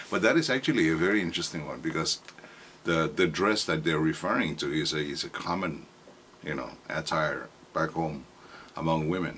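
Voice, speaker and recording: A man's very deep, low voice at a fairly quick pace, with ordinary pitch variation over light background noise. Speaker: interviewee. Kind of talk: interview answer. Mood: calm, reflective. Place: home room.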